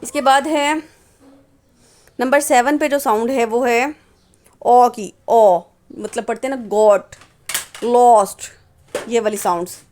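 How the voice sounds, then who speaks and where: A woman's voice: a little high, unhurried, long pauses, darkish tone. A woman teaching English phonetics, patiently repeating example words and asking and answering her own questions. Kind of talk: phonetics lesson explaining symbols.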